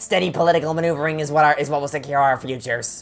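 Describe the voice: Raspy and gruff, this put-on character voice sits at a low-to-middle pitch and races along at a very fast pace over faint background music.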